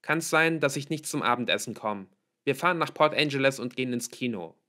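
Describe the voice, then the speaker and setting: A man's voice: medium pitch, lively intonation, unhurried, fairly bright tone, pitched above the performer's own voice. A man voicing a withdrawn, stubborn teenage girl in an audiobook, curt and defensive. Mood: sullen, curt.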